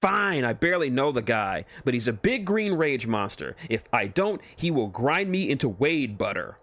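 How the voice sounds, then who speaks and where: A man's voice: medium pitch, very animated, moderate pace, fairly bright tone, no echo, studio quality. A man voicing a brash, petty restaurant boss who is glib and whines when challenged, in a comic story reading. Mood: pleading, joking.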